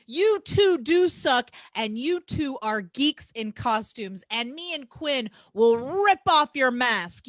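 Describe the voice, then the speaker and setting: A woman's voice: sits high, a bit bright, no room sound, exaggerated voice. A woman playing a brash, boastful male pro wrestler, reading crude, grandiose trash-talk promos with taunting, emphatic delivery. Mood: taunting, cocky.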